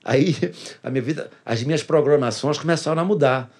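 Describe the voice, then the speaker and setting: A man's voice: on the high side, brisk, darkish tone, breathy edge. A pastor tells his personal testimony in a casual interview, earnestly repeating phrases for emphasis.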